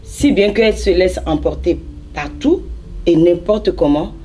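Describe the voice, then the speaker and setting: A woman's voice: fairly low pitch, unhurried, warm tone, slight background noise. A woman from Benin, an evangelist exhorting mothers in a church interview with emphatic repetitions.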